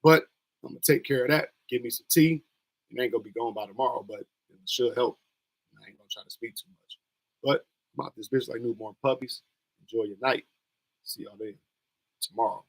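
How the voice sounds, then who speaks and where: Young man, scratchy voice, casual streamer, slangy and rambling, mid pitch. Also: fairly quick, pauses often. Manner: loose, slangy, rambling talk. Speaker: streamer hosting a wrestling watch-along. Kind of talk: casual livestream chat.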